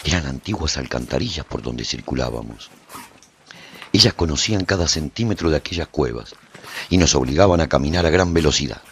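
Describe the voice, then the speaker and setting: For a radio drama, an actor voices a haunted warrior recounting his post-apocalyptic story in the first person, solemn, brooding, theatrical and intense. He uses a full character voice, bass and a bit bright, with lively intonation at a fairly quick pace over slight background noise.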